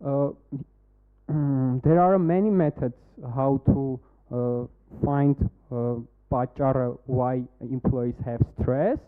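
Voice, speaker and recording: A man with an Armenian accent pitching a startup, then answering questions in halting English while searching for words. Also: fairly even intonation, smooth. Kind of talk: demo day pitch and Q&A. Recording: phone-like narrow band.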